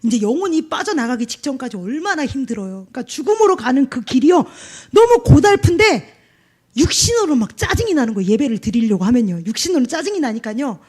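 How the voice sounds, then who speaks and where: A woman's voice: sits high, very animated, quick pace, darkish tone, slightly rough. A young woman preacher giving an earnest, emphatic sermon testimony in casual storytelling.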